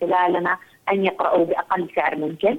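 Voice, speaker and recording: A woman speaks with an Aden accent at a moderate pace. Her intonation stays fairly even. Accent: Yemeni (Adeni) Arabic. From Yemen, Aden. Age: 30s. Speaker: photographer and cultural activist. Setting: phone call.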